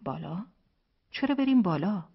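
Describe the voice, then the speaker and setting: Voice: medium pitch, expressive, lo-fi sound, pitched above the performer's own voice, close to an everyday voice. An audiobook narrator voicing an anxious young newlywed wife who presses her husband with pleading, insistent questions. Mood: tense. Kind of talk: audiobook character reading.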